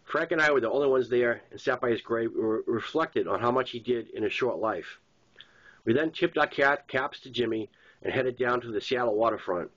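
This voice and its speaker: A man's voice: mid-range voice, brisk, a bit bright. A man with a Boston accent reads a first-person novel aloud as its author, in a plain narrating style with occasional stumbles. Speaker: author reading own novel. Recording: dull lo-fi sound.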